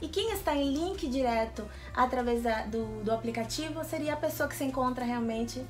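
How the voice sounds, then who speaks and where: The guest on a regional TV interview show: a Peruvian-born, woman with a highish voice, explaining her project keenly. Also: normal speed, soft background music. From Lima, Peru. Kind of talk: enthusiastic explanatory interview answers.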